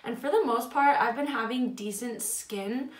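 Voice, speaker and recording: A woman in her twenties reviewing makeup in a casual, chatty way at home, her voice slightly raspy from the morning. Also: a little high, moderate pace, roomy sound, recorded from a distance. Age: 20s. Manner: chatty, filler-heavy, self-deprecating. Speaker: beauty vlogger.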